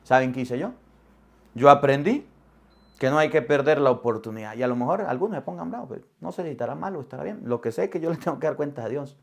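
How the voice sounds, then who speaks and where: A man's voice: medium pitch, expressive, fast, gravelly. A middle-aged male priest giving a sermon, telling a personal story and acting out the dialogue vividly. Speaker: Catholic priest.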